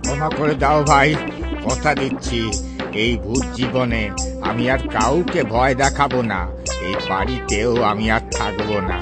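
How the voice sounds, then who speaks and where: A man's voice: medium pitch, unhurried, over loud music, close to an everyday voice. An actor playing a grumpy, blustering male ghost in a children's cartoon. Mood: pleading. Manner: boastful threats turning to pleading.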